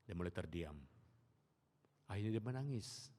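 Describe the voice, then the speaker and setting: A male pastor gives a sermon in a church sanctuary, his voice trailing a long reverb through the hall. He tells stories in a calm middle register, then climbs to loud, emphatic preaching. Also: lowish voice, normal speed. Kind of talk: sermon with storytelling.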